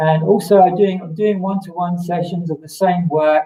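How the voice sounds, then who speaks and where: A man with a British accent speaks at a fairly quick pace. His voice has a dark, mellow tone and is somewhat breathy. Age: 60s. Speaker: running coach. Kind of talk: live online workshop talk. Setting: live online event. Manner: halting, repetitive.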